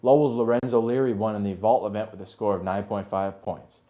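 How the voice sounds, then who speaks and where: Mellow low-voiced male sports reporter. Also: a little fast. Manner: steady score-by-score reading.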